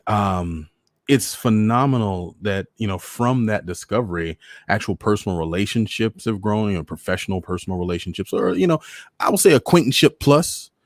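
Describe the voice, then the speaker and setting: Here the same kind of host, an American man with a lowish voice, runs a live online story-reading show. The sound is studio quality with no room sound as he talks casually to viewers and repeats phrases to stress his points.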